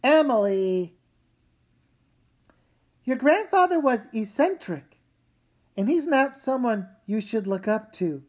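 A woman voicing a weary, gently firm mother with a measured, reasoning manner in a comic read-aloud. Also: fairly high pitch, very animated, voice pushed down, exaggerated voice.

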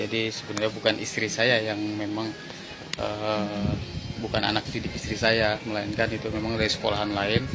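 A man's voice: on the low side, poor audio. Hesitant man filming in a supermarket. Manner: hesitant, many fillers. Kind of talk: casual clarification vlog. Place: inside a supermarket aisle. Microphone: phone held at arm's length. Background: loud background music.

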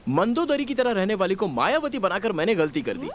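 A man's voice: high-pitched, sing-song, a little fast. A man dubbing a teasing, carefree young male film hero in playful banter, with music under the film soundtrack. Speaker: male lead in dubbed film.

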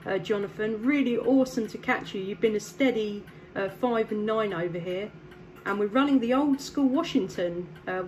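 A friendly CB radio operator from England chats with a distant contact from her home station. She laughs often and fills the gaps with lots of ums. Her voice is mid-range, and the recording sounds muffled.

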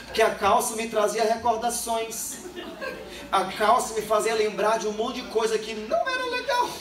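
High-voiced man preaching in echoey hall. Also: very noisy. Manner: humorous storytelling, acts out quoted voices. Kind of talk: sermon with personal story. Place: church hall. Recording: echoey church hall, distant mic.

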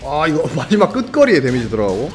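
A young man calls a fighting game match live, his pitch leaping around as he reacts to each hit and chats with the viewers. His voice sits a little high for a man, and faint game music plays behind him. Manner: excitable, chatty, jokes with viewers, quick reactions. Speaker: esports commentator.

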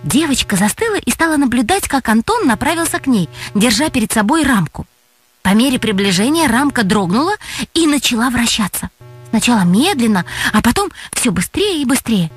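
A woman narrating a children's audio tale with expressive storytelling. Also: a little high, fairly quick, husky, soft background music.

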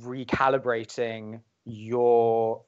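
A man's voice: mid-range voice, flat delivery, extremely slow, darkish tone, clear, resonant tone. Thoughtful man chatting, slightly dull audio. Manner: thoughtful, hesitant, searching. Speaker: voice actor. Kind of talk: casual commentary chat.

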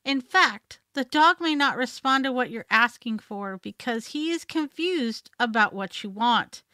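A woman's voice: on the high side, expressive, a little slow, bright, forceful tone, smooth, no echo. A woman hosting a podcast, reading scripted tips in an instructive way on a close studio mic. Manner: instructive, demonstrates commands with voice. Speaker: podcast host. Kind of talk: scripted narration.

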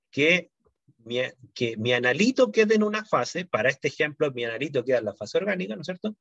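A middle-aged man lectures a university chemistry class step by step, frequently checking in with "¿no es cierto?" and "¿ya?". His voice is on the high side, a bit bright and husky. The recording has no echo but sounds muffled.

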